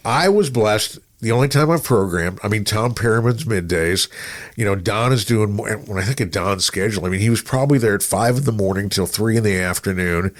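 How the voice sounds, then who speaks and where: Deep-voiced veteran radio man telling stories. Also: fairly quick. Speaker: veteran radio personality, podcast guest. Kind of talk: casual conversational storytelling.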